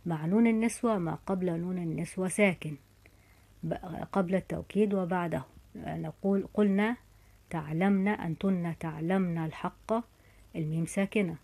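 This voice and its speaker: A woman teaching an Arabic grammar lesson, explaining step by step and saying example words slowly and carefully, with frequent hesitations. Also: fairly low pitch, warm tone. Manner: methodical, says example verb forms slowly and carefully.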